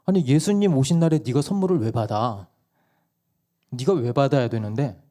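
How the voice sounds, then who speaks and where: A hoarse man voicing a blunt mother who curtly refuses her child's demands. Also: medium pitch, normal speed, close to an everyday voice. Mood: curt, dismissive. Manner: curt, flatly dismissive.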